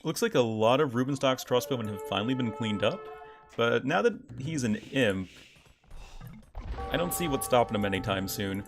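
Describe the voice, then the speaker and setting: A man's voice: medium pitch, animated, moderate pace, music in the background. A young man casually commentating a strategy game on his live stream, chatting with his viewers. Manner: casual, chatty, reacts to chat. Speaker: game caster.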